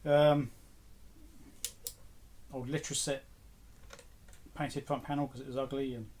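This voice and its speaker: A middle-aged man gives casual, unscripted vlog commentary. His voice sits at a medium pitch. He muses aloud as if talking to himself, with faint noise and small clicks in the background. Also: level tone, slow, darkish tone. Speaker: host of an electronics repair channel. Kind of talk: casual off-the-cuff vlog commentary while sorting through items.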